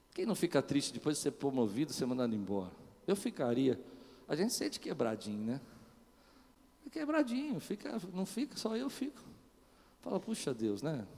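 A man preaching a sermon as pastor, moving from quiet storytelling to loud, shouted preaching. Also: a little high, in a large hall. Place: church.

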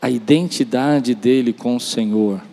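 In an unhurried, warm voice of medium pitch with some vocal fry, a man preaches a charismatic sermon. He speaks straight to the congregation with emphasis, repeating himself and acting out dialogue, while a big hall's long reverb fills the recording.

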